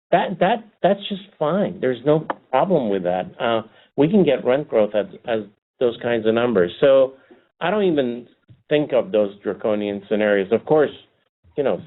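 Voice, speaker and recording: A man answering questions as a company executive on an earnings call, speaking off the cuff with halting restarts, over a narrow phone line. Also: mid-range voice.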